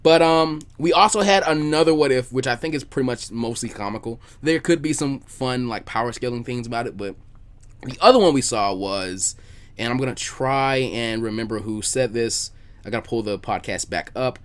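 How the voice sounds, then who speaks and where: A man with a medium-pitched voice hosts a relaxed, informal podcast discussion. He speaks haltingly, often doubling back on words while he works out his thought. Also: smooth. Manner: halting, repeats words as he thinks aloud. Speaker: podcast host. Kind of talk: casual chat about anime what-if scenarios.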